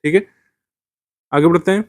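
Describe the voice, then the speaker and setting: A man's voice: fairly high pitch, moderate pace, no room sound. A man teaching current affairs for a civil services exam, explaining step by step with frequent fillers.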